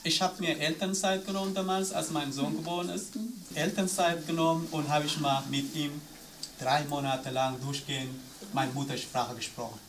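A man's voice: a little high, steady tone, normal speed. A man from Eritrea, whose first language is an Eritrean language, earnestly telling of raising his son while searching for words. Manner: earnest, searching for words in non-native German. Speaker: discussion participant, father. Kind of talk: personal account in a discussion round. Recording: distant mic with faint room noise.

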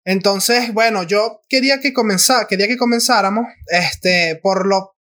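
A man's voice: high-pitched, moderate pace, sharp tone. A young man, co-hosting a casual podcast chat, often restarting his sentences. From Venezuela. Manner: restarts, mimics Spanish and Argentine slang for laughs. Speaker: podcast co-host.

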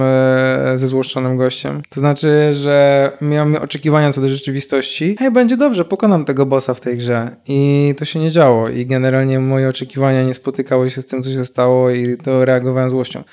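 A stand-up comedian in casual conversation, talking in a reflective, chatty way with many fillers. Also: male voice, medium pitch, little pitch movement, normal speed, few pauses, a little mellow, clear, resonant tone.

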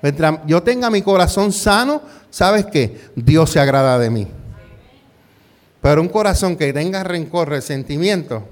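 A middle-aged pastor whose voice sits a bit high for a man. He preaches in a chatty, storytelling way, tossing out rhetorical questions to the congregation and mixing English words into his Spanish. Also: lively intonation, a little slow. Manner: peppers talk with rhetorical questions and "¿verdad?". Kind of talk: conversational sermon with personal story.

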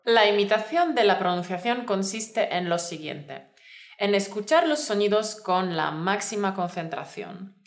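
A woman with a mid-range voice gives clear, instructive directions in a scripted lesson. Her voice carries a roomy echo. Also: mid-range voice, animated, unhurried. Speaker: Spanish teacher.

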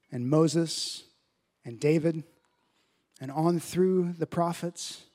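High-voiced man preaching with emphasis. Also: warm tone. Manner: emphatic teaching, rises in pitch to stress points; slows down deliberately on key phrases. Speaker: pastor. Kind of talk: sermon.

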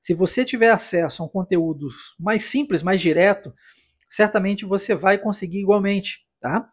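A Brazilian man teaches English on a podcast, addressing the listener directly in a high-pitched, slightly rough voice at a moderate pace. He explains patiently and encouragingly, often checking in with short tag questions.

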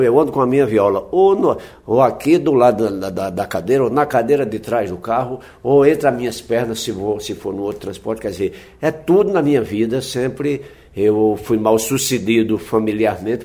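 A man's voice: medium pitch, a little mellow. A man, a folk singer-poet, speaking in a reflective interview and explaining things patiently with frequent tag questions.

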